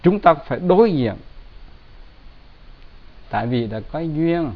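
A man giving a Buddhist dharma talk in a plain, conversational way with gentle humor. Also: on the high side, expressive, slow pace. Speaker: Buddhist teacher. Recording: dull lo-fi recording.

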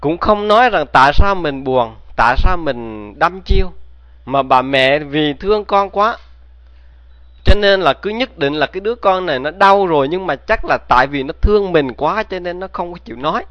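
A man's voice: a little high, lively intonation, normal speed, a bit bright, no echo. Man telling a folk tale to listeners. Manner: addresses listeners with rhetorical questions. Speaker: storyteller.

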